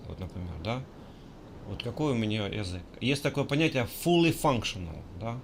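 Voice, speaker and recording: A man with a Russian accent talks at a fairly quick pace in a fairly low pitch with lively intonation. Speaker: English pronunciation teacher. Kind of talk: language lesson.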